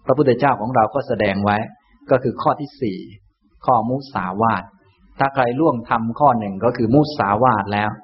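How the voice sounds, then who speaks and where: A man, a Buddhist monk teacher, giving a calm, gentle dharma talk and answering questions. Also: mid-range voice, lo-fi sound, a little hiss or hum. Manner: calm, unhurried, gentle explaining.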